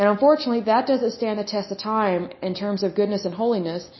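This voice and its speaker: At a fairly quick pace, a woman with an unremarkable speaking voice talks at medium pitch with fairly even intonation. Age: 30s. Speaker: podcast host, Bible teacher. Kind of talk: devotional Bible teaching monologue.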